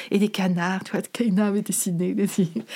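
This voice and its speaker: A woman speaks in an unremarkable speaking voice at medium pitch. She keeps a moderate pace with ordinary pitch variation. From Brussels, Belgium. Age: 60s. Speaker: founder of a community housing project, caregiver. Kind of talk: interview monologue.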